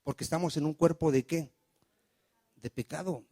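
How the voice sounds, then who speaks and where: Pastor preaching a sermon. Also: male voice, fairly high pitch, moderate pace, dark tone. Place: church.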